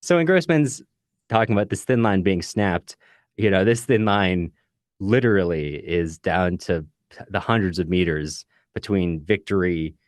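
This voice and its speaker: A man's voice: low-pitched, measured pace, dry recording, studio quality. An American man co-hosting a podcast, discussing a book in a casual, explanatory way with frequent asides. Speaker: podcast co-host.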